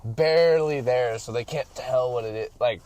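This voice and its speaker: A man's voice: mid-range voice, normal speed, darkish tone. A man chatting casually as a podcast guest, with easygoing banter and dry humour. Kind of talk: casual chat. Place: on the go, around parking lot and car. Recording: faint vehicle noise, on location. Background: faint ambient and vehicle noise.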